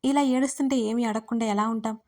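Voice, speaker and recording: Woman reading a worried girl friend in a story, firm and insistent, highish flat voice. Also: fast, lightly acted.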